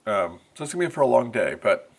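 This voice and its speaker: A man's voice: mid-range voice, big pitch swings, fast talker, vocal fry. A man in his forties, a teacher, talking casually to camera in a rambling, chatty way, his voice congested. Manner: rambling, chatty, many fillers. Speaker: first grade teacher vlogger. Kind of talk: casual vlog chat to camera. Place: classroom, then inside a car. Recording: faint road noise.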